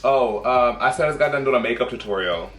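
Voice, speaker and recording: A man's voice: mid-range voice, fast talker, fairly bright tone. A man from Oakland, a drag queen chatting casually with strangers in a sassy, chatty manner. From Oakland, California. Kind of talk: casual chat with strangers on video chat. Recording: roomy echo with music behind.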